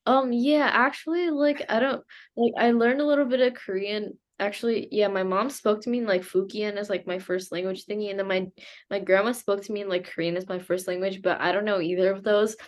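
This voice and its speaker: A young woman speaking from her bedroom in a casual chat, hesitant and rambling, trailing off into fillers and giggles. Her pitch sits in the middle range for a woman. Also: fairly even intonation, brisk. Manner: rambling, hesitant, lots of fillers and restarts, laughs often. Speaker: podcast guest.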